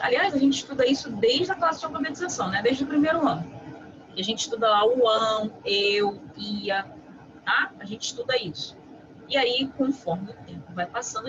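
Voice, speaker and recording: Didactic woman teacher, muffled recording. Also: on the high side. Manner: didactic, constantly checks understanding with tag questions. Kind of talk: online lesson. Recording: muffled with steady background noise.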